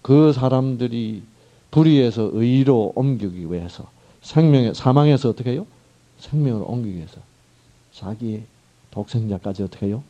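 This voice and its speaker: Male pastor, sermon, very dark mellow voice, quizzes the congregation, loud then whispering, muffled lo-fi recording. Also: mid-range voice, lively intonation, normal speed. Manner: call-and-response questions to the congregation.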